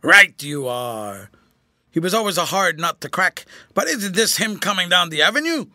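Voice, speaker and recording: A man's voice: high-pitched, very animated, normal speed, bright, forceful tone, no echo, studio quality, voice pushed up, full character voice. A man doing a whining old army tramp. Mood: rough. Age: older. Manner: rough, blunt talk turning to whining begging. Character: rough old male ex-soldier tramp, blunt and wheedling.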